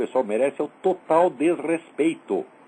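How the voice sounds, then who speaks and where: A man with a high-pitched voice. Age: 60s. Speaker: philosopher and radio host. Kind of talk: opinion monologue. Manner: animated.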